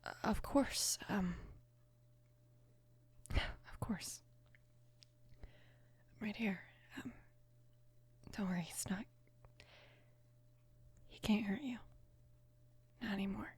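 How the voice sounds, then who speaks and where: A woman voicing a young mafia boss's daughter, gentle, protective and flustered, in a soft, hesitant near-whisper for an ASMR romance roleplay. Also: mid-range voice, slow pace, pauses often, slightly rough, dry recording. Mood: caring, shy.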